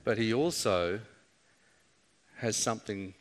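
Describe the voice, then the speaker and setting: A man's voice: on the low side, animated, takes it slowly. Joking Australian man introducing a speaker. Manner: playful, joking. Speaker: conference organizer introducing a speaker. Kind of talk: stage introduction. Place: conference hall.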